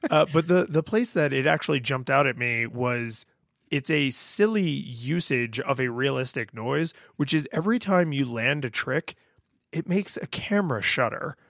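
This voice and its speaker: A man with a fairly deep voice co-hosting a podcast, rambling in casual chat with frequent fillers and laughs. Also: expressive, normal speed, gravelly, a bit bright, no echo, clean studio sound. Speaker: podcast co-host. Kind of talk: casual chat about a video game.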